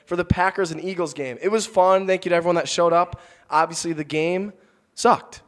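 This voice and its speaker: A young man hosting a college sports talk podcast, upbeat and loose, his voice a bit deeper from a cold. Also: steady tone, a little fast. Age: young adult. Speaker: host.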